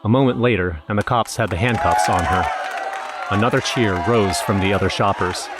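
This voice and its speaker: A man's voice: fairly low pitch, normal speed, over a noisy crowd, very noisy, lightly acted. A man playing a grim, shaken eyewitness, narrating a scripted first-person horror audio drama. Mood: dread. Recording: music under the voice.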